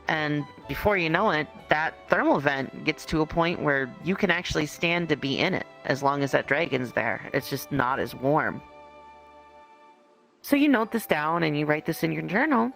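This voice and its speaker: A game master improvising second-person roleplay narration in a conversational, halting way. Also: mid-range voice, lively intonation, gravelly, fairly bright tone, faint music behind. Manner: conversational, halting storytelling with hedges.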